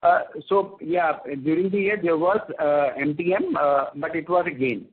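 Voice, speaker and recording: A man with an Indian accent answering analyst questions as a finance executive on an earnings call, reciting figures haltingly over the phone. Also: on the high side, slightly rough. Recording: tinny narrowband conference phone line.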